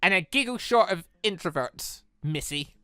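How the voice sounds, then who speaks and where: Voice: mid-range voice, expressive, normal speed, sharp tone, clear, resonant tone, dry recording, clean studio sound. A gaming YouTuber reading out the part of a guarded, bossy young woman in a visual novel who speaks bluntly, with music behind. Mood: stern, bossy.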